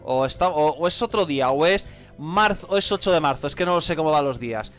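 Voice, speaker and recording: A man with a Spain Spanish accent reads game text aloud and gives excitable, bewildered gameplay commentary. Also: fairly high pitch, fast, faint music behind. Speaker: gamer.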